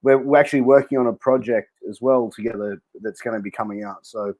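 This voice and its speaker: A male podcast host running a casual interview, friendly and chummy. He fills his questions with fillers and calls his guest bro. His voice sits at an ordinary middle pitch. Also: brisk, darkish tone.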